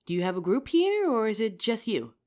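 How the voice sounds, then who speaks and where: A woman playing an injured young survivor of a zombie apocalypse in a roleplay audio drama, with halting, emotive delivery. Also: fairly high pitch, big pitch swings, darkish tone. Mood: relieved, fond.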